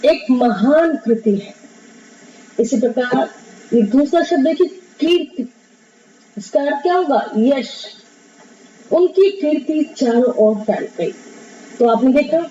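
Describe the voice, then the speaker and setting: A high, mellow woman's voice teaches a class at a measured pace. She repeats each term and poses questions she answers herself. The sound is distant and roomy, dull at the top, with faint noise underneath. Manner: explains slowly, repeats terms, asks and answers own questions. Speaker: Hindi teacher. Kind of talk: classroom lesson.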